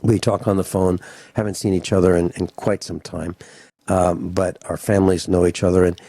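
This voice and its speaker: A man's voice: low-pitched, level tone, moderate pace, mellow, no room sound. A man in his sixties hosting a radio talk show, chatting casually and rambling with restarts and fillers. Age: 60s. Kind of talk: casual radio interview chat.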